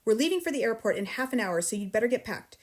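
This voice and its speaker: A woman's voice: fairly high pitch, big pitch swings, fast talker. A woman doing a snappish, bullying dad. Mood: impatient. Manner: curt, snapping, barking orders. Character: gruff, rude middle-aged father, a crook.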